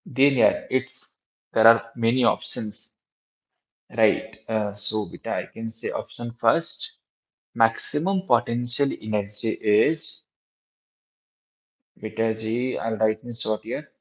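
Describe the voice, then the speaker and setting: A man with a South Asian accent teaching a live physics lesson in a halting, repetitive way, often checking with his students. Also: lowish voice. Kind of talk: live exam-prep lesson, working through problems. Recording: dull lo-fi recording.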